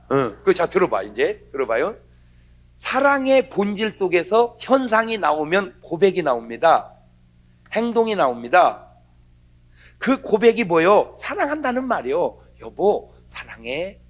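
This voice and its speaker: A middle-aged male pastor giving a humorous revival sermon, telling stories with lively acted-out voices and a husky tone. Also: high-pitched. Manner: animated storytelling, acts out quoted voices with dialect.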